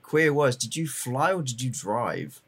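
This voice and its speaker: Giggly man with a lively voice. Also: medium pitch, normal speed, husky. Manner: giggly, rambling, trips over his words. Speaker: podcast co-host. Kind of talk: casual chat.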